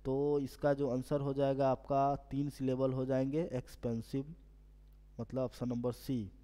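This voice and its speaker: A man's voice: medium pitch, flat delivery, dark tone. Man teaching in a reverberant room. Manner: explanatory, reads English questions slowly then explains. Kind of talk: exam prep lesson.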